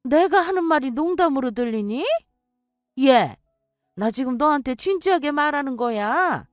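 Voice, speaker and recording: A woman's voice: sits high, lively intonation, a little slow, no room sound, clean studio sound, faint music behind. A woman voicing a domineering, condescending middle-aged restaurant owner who scolds her future daughter-in-law. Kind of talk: audio drama acting.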